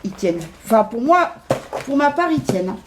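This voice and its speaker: A woman's voice: a little high, sing-song, fairly quick, slight background noise. A middle-aged woman chatting casually in a shopping haul video, hesitant with lots of fillers. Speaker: haul vlogger. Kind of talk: casual chat.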